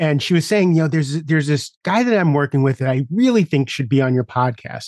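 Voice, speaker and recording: In an ordinary speaking voice, a man talks at a fairly quick pace and fairly high pitch, the sound dry and close with no echo. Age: 60s. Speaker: podcast host. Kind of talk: interview conversation.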